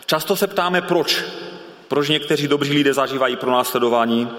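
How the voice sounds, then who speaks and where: A man's voice: mid-range voice, a bit bright. A man preaching a sermon earnestly, repeating key phrases and often restarting his sentences. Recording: reverberant hall sound.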